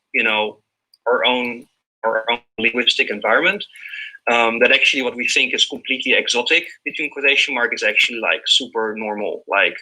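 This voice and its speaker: At a moderate pace, a man is talking. He has a Dutch accent. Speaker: linguistics lecturer. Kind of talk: lecture. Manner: hesitant, many fillers and repetitions; casual, animated.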